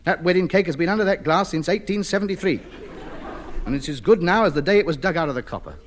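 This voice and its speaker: A man's voice: fairly high pitch, lively intonation, fast talker, some chatter behind, a little hiss or hum, close to an everyday voice. An actor playing a vain, self-important man who clings to faded grandeur, in a 1950s radio sitcom. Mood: grandiose. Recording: old radio broadcast.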